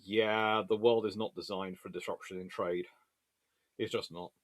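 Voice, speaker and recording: A man's voice: fairly low pitch, fairly even intonation, moderate pace, no room sound. Man thinking aloud, dry close sound. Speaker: host answering viewer questions. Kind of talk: casual rambling Q&A commentary.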